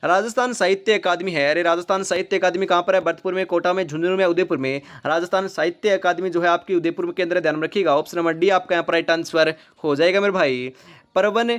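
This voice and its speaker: A man's voice: sits high, fairly even intonation, quick pace, a bit bright. A man running an online exam quiz class from a rooftop, reading each question and its options and then repeating the answer and the option number as he calls his viewers brother and friends. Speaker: quiz teacher. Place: rooftop, outdoors in early morning. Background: animal and bird sounds.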